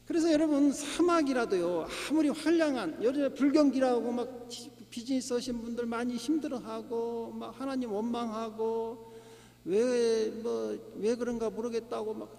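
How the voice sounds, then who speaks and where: A middle-aged man preaching a sermon as a pastor, emphatic, with rhetorical questions and shouts of hallelujah. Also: very high voice. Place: church sanctuary. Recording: long church hall reverb.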